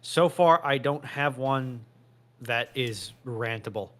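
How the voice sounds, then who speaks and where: A man's voice: medium pitch, takes it slowly, fairly bright tone. An American man chatting casually as a panelist, with a matter-of-fact, slightly grumbling way of talking. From United States. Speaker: panelist on a live show. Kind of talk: casual chat.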